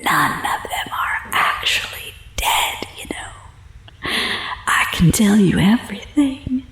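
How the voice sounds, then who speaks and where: An actress playing a sly, menacing older fortune teller accused of murder in an audio drama, taunting and theatrical in a drawl. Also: female voice, medium pitch, expressive, slow, a bit bright, reverberant, whispered, rough recording. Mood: menacing whisper.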